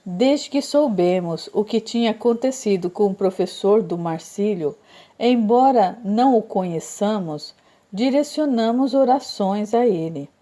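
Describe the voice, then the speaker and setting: A woman voicing a gentle, calm spiritual woman in an audiobook, speaking quietly and reassuringly. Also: medium pitch, a little slow, lightly acted.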